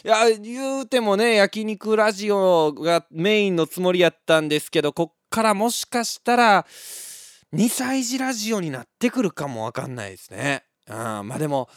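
A man's voice: sits high, big pitch swings, normal speed, no echo, clean studio sound. A man with a Kansai accent hosting a radio show, telling stories casually and laughing often between lines. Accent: Kansai Japanese. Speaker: radio host. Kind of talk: casual solo storytelling.

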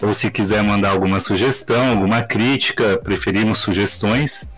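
A man, hosting a podcast over a video call in relaxed, rambling chat, his mic audio clipping and distorted. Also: lowish voice, moderate pace, faint music behind. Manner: relaxed, rambling, filler-heavy. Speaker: podcast host.

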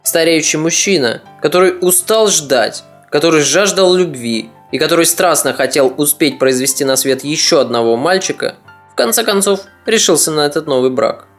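A podcast narrator reading a scripted history story in a measured, slightly ironic way. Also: medium pitch, lively intonation, soft background music.

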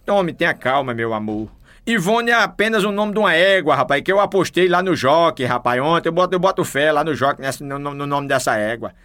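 A man's voice: lively intonation, brisk, fairly bright tone, no echo. A man voicing a sheepish husband stammering out an excuse to his wife. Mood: placating. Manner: low soothing, stammering.

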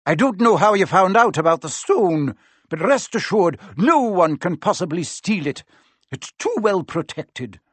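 A man's voice: sits high, very animated, a little slow, breathy edge, no echo, voice pushed up, exaggerated voice. A man voicing a stern, strict older female professor who speaks coldly and curtly in a storybook reading. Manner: clipped, cold.

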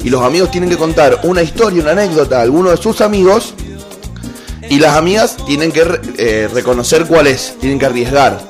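Animated Argentine man, slightly high voice, chatty co-host storytelling with music underneath. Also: a little fast. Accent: Argentine Spanish. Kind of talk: casual live-stream chat. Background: music playing.

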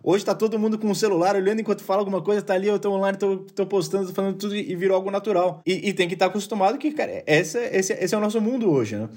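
A man's voice: high-pitched, rapid-fire, few pauses, darkish tone. A man co-hosting a panel in a chatty, informal way. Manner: chatty, informal, says "cara" often. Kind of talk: casual panel chat.

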